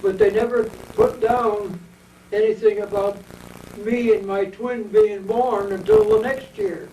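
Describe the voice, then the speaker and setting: Gravelly-voiced elderly American man reminiscing. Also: high-pitched, expressive, unhurried, mellow, slight background noise. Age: 80s. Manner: rambling reminiscing storyteller. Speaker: veteran interviewee. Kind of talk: oral history interview. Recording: echoey room, mic at a distance.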